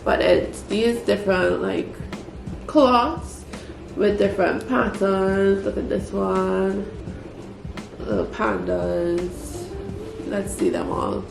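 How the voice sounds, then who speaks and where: A woman's voice: medium pitch, takes it slowly, vocal fry, over music. A young woman from Trinidad with a Trinidadian accent, chatting casually in a home vlog while stuffy and congested, with lots of fillers. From Trinidad and Tobago. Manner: relaxed, chatty, frequent fillers. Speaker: vlogger. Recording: echoey room, faint ambient noise.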